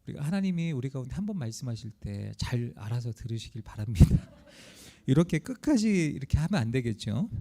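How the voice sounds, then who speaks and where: A man's voice: fairly high pitch, warm tone. A male pastor preaching a sermon, telling the story dramatically and acting out the quoted lines.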